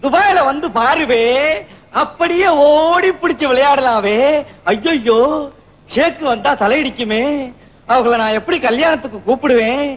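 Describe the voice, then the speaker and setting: Bragging middle-aged show-off, very high nasal-toned drawl, dull old film sound. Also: male voice, unhurried. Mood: boastful. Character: boastful middle-aged man back from the Gulf. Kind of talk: 1990s Tamil film comedy.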